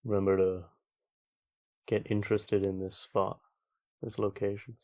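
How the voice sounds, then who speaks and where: Slow, even-toned man guiding meditation. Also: fairly low pitch. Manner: calm, gentle, unhurried with long pauses. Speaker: meditation teacher. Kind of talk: guided meditation instruction.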